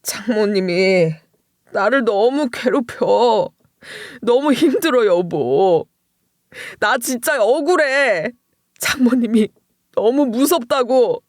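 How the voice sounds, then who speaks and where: A woman voicing a drunk young husband who sobs out slow, aggrieved complaints in a story narration. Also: medium pitch, darkish tone, no echo, studio quality, close to an everyday voice. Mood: tearful, aggrieved.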